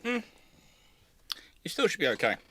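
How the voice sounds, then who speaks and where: A man's voice: on the high side, wildly swooping pitch, normal speed, a bit bright, slight background noise. A British man hosting a casual live question-and-answer stream, thinking aloud and wandering into digressions. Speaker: host answering viewer questions on a livestream.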